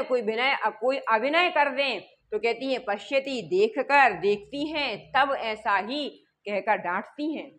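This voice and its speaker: High, bright woman teaching a class. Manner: explains step by step, asks the class questions and answers them; reads verses slowly, then explains them quickly. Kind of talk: classroom lesson explanation.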